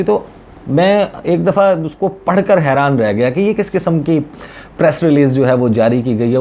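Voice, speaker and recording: A man's voice: medium pitch, dark tone. A man with a Pakistani accent, a journalist giving conversational, explanatory news commentary to viewers and mixing in English words. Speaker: journalist covering foreign policy, presenter.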